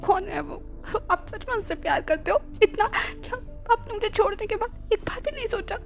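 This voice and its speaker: A drunk, tearful young man, as a woman storyteller puts him on, begs his lover in a stammering rush, slipping into English as he goes. The voice sits high and strained. Soft music plays underneath the storybook reading. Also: lively intonation, normal speed, gravelly, exaggerated voice. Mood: pleading, tearful. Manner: pleading, stammering, mixing English. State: drunk and crying.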